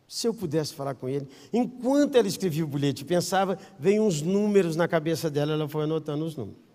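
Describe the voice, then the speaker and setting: A Brazilian man preaching a sermon as pastor, telling stories with acted-out quotes, swinging between loud calls and hushed asides. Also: on the high side, quick pace, big-room sound. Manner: animated storyteller, acts out quotes, swings from shouting to hushed. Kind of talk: sermon with storytelling. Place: church.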